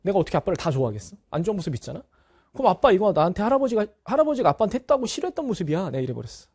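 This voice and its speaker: A man's voice: high-pitched, big pitch swings, racing, a little mellow, husky. A middle-aged male teacher talking candidly to his students, telling a personal family story and speaking straight to them. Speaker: Korean language teacher. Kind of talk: talk to students.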